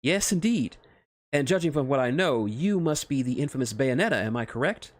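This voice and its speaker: A man's voice: mid-range voice, expressive, brisk, voice pushed up, lightly acted. A man voicing a polite, nerdy and eager male scientist in a fan fiction reading. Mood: admiring.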